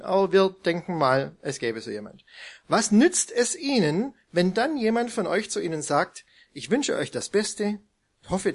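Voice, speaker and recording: A man with a notably high voice delivers a sermon. He talks in an easy, conversational way and keeps turning to his listeners with questions. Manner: conversational, asks the congregation questions. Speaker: preacher.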